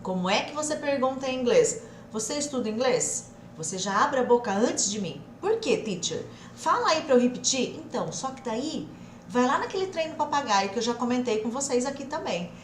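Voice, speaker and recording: Energetic Brazilian woman teaching English online. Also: a little high. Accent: Brazilian Portuguese. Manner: energetic, teacherly, drills phrases slowly, asks audience to speak. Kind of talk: live online English lesson. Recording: echoey room, faint background noise.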